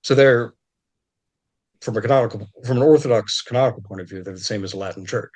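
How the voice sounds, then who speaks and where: Animated man explaining history in detail. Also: medium pitch, quick pace. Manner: detailed and explanatory, restarts phrases often. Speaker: historian guest. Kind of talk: scholarly conversational explanation.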